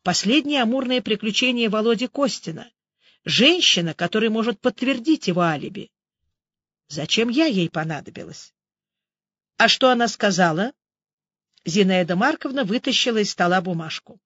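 A woman narrating a first-person audiobook with lively, ironic storytelling. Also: medium pitch, moderate pace, no room sound, dull audio.

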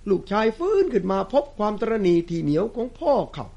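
Man playing young spirit man in disguise, reproachful, high voice, lively swings. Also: a little fast, creaky, highs cut off, exaggerated voice. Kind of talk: storytelling within a sermon.

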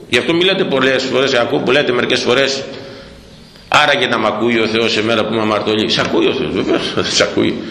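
A man's voice: mid-range voice, bright, forceful tone. Emphatic male preacher in an echoey hall. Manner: emphatic, repetitive preaching cadence. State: hoarse throat. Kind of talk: sermon on scripture. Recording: echoey hall, long reverb.

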